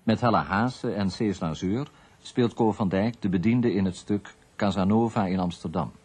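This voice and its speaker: A man narrating a scripted radio biography in a measured, formal manner. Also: lowish voice, a little mellow, breathy edge.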